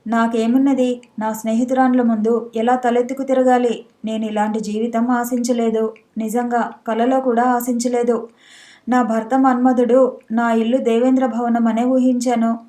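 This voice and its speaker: A woman's voice: fairly high pitch, level tone, normal speed, warm tone, natural voice. A woman voicing a proud, angry young wealthy wife in a storybook reading, with a haughty, scornful manner. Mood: bitter.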